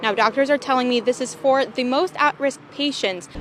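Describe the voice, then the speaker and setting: A woman talks at a moderate pace while noticeable background noise carries on behind her. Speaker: TV news reporter and anchor. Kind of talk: live TV news report.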